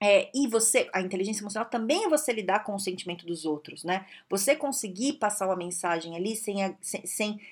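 Her delivery is quick with hardly any pauses as this woman, who has a Brazilian Portuguese accent and a mid-range voice, gives casual career tips directly to camera. She keeps it lively and to the point, often tacking questions onto what she says.

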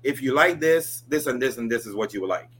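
In a husky, mid-range voice and at a slightly quick pace, a man from Ghana in his forties tells his life story during a laid-back interview. He keeps filling his speech with "you know" and "right?".

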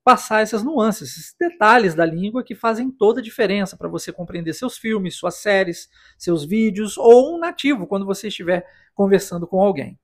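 A man's voice: high-pitched, expressive, normal speed, hardly any pauses. A man from Brazil teaching English on a podcast, explaining patiently and encouraging the listener, often checking in with short tag questions. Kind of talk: podcast lesson addressing listener.

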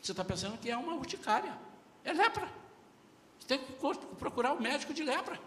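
Emphatic high-voiced male pastor. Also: quick pace. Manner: emphatic, animated preaching. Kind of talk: sermon. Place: church. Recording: echoey church hall.

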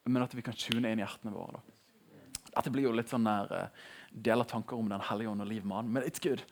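Gravelly young man preaching casually. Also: fairly low pitch. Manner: conversational, animated, laughing at his own jokes. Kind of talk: sermon.

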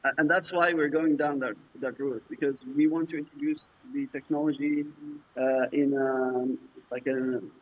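A man from Jordan whose first language is Arabic, answering interview questions in a halting way, with many fillers and restarts. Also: medium pitch, fairly even intonation, a little hiss or hum. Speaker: startup founder, guest. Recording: muffled lo-fi remote audio.

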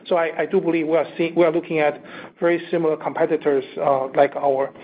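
A man with a fairly high voice comes through a narrow, phone-like line with faint noise. He is a company executive answering questions on an earnings call, speaking haltingly and repeating words as he goes. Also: flat delivery. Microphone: conference call line.

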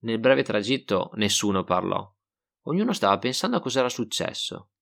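A man's voice: lowish voice, very animated, moderate pace, creaky, a bit bright. A male storyteller narrating a crude, comic audio story in a wry tone.

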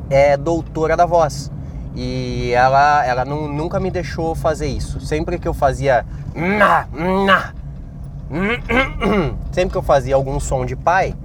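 A man's voice: fairly high pitch, noisy background. A man hosting a podcast, rambling through a self-mocking comedic monologue. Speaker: podcast host.

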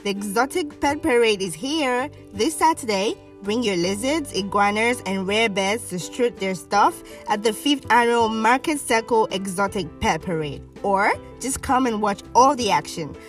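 A woman's voice: medium pitch, animated, normal speed, few pauses, recorded from a distance. A woman voice-over artist reading scripted advertising copy. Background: music.

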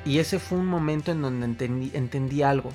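A young man with a Mexican accent telling an emotional personal story to an audience, animated and repeating words for emphasis. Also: medium pitch, brisk, soft background music.

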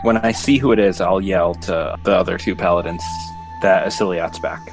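Male game player, very deep register, conversational, tentative phrasing, music clearly playing underneath. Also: moderate pace, low-quality recording. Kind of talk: casual in-character roleplay and table talk. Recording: loud music bed behind the voice.

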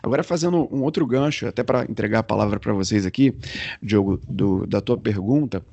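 A man with a rough, grainy voice speaks as a guest on a podcast, teaching how to communicate clearly. His breathy edge comes through as he explains deliberately and shows how his own voice changes. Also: dark tone, lo-fi sound. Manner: deliberate, demonstrates pitch and pace changes while teaching.

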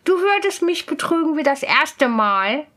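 Woman doing a cheeky young student, higher and louder than her narration, unhurried. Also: very animated, heavily acted. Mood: firm. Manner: raised, bright and bold. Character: fearless young male student, quick-witted.

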